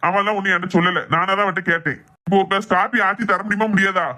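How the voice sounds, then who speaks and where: A woman's voice: medium pitch, fairly even intonation, quick pace, sharp tone, natural voice. A woman playing an exasperated middle-aged husband, grumbling and sarcastic. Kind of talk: comic family skit.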